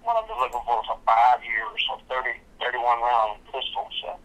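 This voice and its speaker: A man, the host's father, calling in on speakerphone and chatting casually in a folksy, unhurried way. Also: mid-range voice, big pitch swings, fairly bright tone, muffled recording. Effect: heard over a phone on speakerphone. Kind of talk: casual phone chat. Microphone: phone speaker held near the host's mic.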